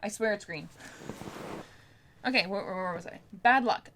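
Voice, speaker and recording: A woman's voice: mid-range voice, normal speed, a bit bright, a little hiss or hum. A young woman chatting casually to camera as a book vlogger, in an informal, rambling, playfully self-deprecating way. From Canada.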